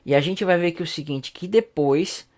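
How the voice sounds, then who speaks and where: A man's voice: a little high, normal speed, darkish tone. A man, a pastor teaching a recorded Bible study. He explains patiently, asks rhetorical questions and keeps checking in with tag questions. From Brazil.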